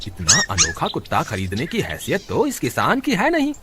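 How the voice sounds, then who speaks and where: A man voicing a scheming village thief in a cartoon story, greedy and quick to panic. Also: medium pitch, huge pitch swings, very noisy. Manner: plotting, then panicky.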